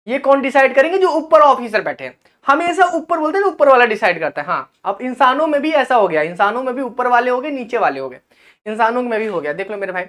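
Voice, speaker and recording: Presenting an educational channel, a man with a very high-pitched, sharp voice gives an impassioned explainer on a document. He calls listeners brother and slowly reads out English clauses.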